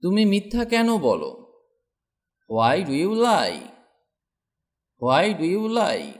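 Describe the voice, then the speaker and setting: A man teaching English, saying a sentence in Bengali and then repeating its English version twice, slowly and clearly. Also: on the high side, huge pitch swings. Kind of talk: slow drilled sentence practice.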